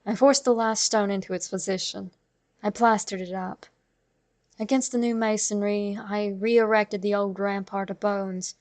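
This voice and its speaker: A woman reading a classic horror tale aloud in a slow, measured, darkly dramatic way. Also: mid-range voice, fairly even intonation, a little mellow. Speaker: horror story narrator. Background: faint music.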